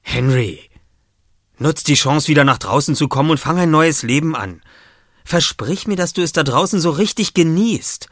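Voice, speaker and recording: A man's voice: on the high side, animated, moderate pace, no room sound, studio quality. A man acting as a loyal, encouraging asylum cellmate in a German audio drama. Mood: heartfelt.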